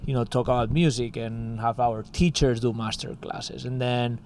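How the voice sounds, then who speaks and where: In a casual interview, this Spanish-accented man from Spain talks about co-founding a music school, rambling and peppering his speech with "like" and "you know". He has a mid-range, steady, slightly mellow voice at normal speed, with a little hiss or hum in the recording.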